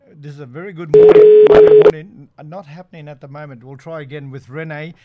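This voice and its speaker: A man's voice: fairly high pitch, huge pitch swings, quick pace, phone-quality sound. A man with an Aboriginal Australian accent presenting live talkback radio in a colloquial, matey way. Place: radio studio.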